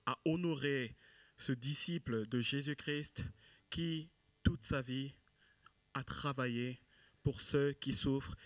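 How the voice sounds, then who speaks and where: A man presents at a church service, handing over to a guest speaker. His delivery is earnest and a little halting, with a medium-pitched voice and a very dry, close sound. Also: no echo.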